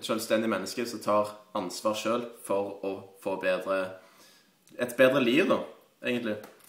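A man at a moderate pace, with fairly even intonation, audible room echo and a quiet background. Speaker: coaching client giving a testimonial. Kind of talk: casual testimonial. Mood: relaxed, positive. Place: home room. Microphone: webcam.

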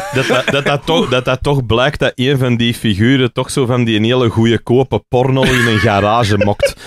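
A man talks at a moderate pace with hardly any pauses, very even loudness and fairly even intonation, in a dry sound with no echo over light background noise. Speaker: podcast host. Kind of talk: casual interview chat. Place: studio. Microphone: studio mic.

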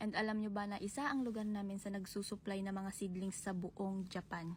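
A woman of medium pitch talks at a very fast pace in a somewhat breathy voice. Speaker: farmer and vlogger. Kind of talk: casual vlog narration.

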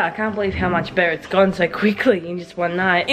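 A woman is talking. Faint music plays behind her. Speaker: family vlogger. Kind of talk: casual vlog chat. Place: home room. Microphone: phone near.

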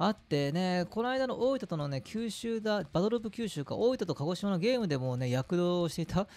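Very wide pitch swings in a man's fairly quick delivery. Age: 30s. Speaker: football YouTuber. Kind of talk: solo match preview commentary. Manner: casual, many filler words.

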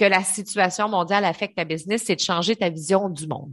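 In a Quebec accent, a woman speaks at a fairly quick pace. The background is quiet. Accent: Québécois French. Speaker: podcast host and business coach. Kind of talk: solo podcast monologue. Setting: home, power outage. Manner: casual, with hesitations.

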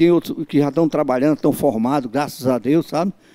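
His delivery runs fairly quick, in a dark, mellow tone. Behind the man, all is quiet. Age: 60s. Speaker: folk tradition master; panelist. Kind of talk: panel discussion. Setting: seminar panel, filmed for online viewers. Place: hall. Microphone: handheld.

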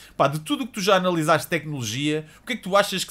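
A man speaks at a very fast pace with a European Portuguese accent. His voice sits fairly high, with ordinary pitch variation. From Portugal. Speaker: gaming podcast host; podcast host. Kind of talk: casual chat; casual podcast interview conversation. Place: home room. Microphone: studio mic.

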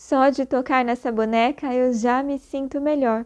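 Against a quiet background, a woman talks in a high voice with fairly even intonation. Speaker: audiobook narrator. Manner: slow, suspenseful, expressive; shifts pitch and tone to voice each character.

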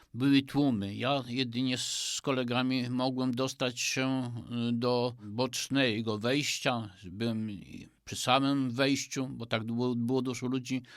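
Very slowly, a man speaks at a medium pitch with fairly even intonation. The recording is very clean, with a silent background. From Poland, Sandomierz area. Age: 60s. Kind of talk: personal testimony interview.

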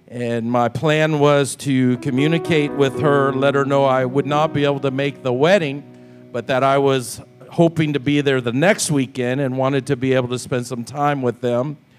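A man speaks at a moderate pace with fairly even intonation. Faint music plays in the background. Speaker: visiting missionary preacher. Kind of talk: sermon. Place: church. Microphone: handheld.

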